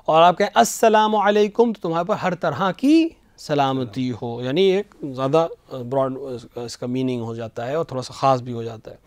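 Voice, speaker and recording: A man, a religious scholar on a studio TV show, explaining patiently and slowly reciting phrases to show the right pronunciation. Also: medium pitch, lively intonation, darkish tone, no echo. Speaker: religious scholar answering questions. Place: television studio.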